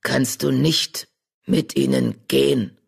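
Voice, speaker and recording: A narrator voicing Mitternacht, a wise old female badger in an audiobook, who talks slowly with broken word order. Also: mid-range voice, steady tone, creaky, husky, full character voice. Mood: solemn.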